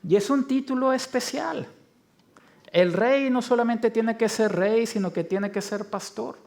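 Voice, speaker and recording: Preacher, male, high voice, measured scripture reading and emphatic teaching in church. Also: gravelly, a little mellow.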